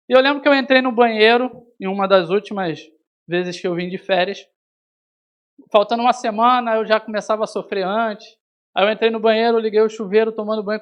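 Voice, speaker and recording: Brazilian pastor preaching a heartfelt sermon. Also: male voice, high-pitched, muffled recording. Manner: storytelling, addresses listeners as brother. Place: church hall.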